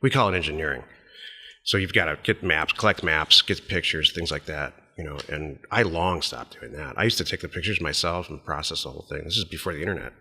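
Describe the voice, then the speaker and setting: Casting: blunt American male podcast co-host, husky and fast-talking, opinionated, in a reverberant space. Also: very deep voice, bright, forceful tone. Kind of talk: casual business advice chat.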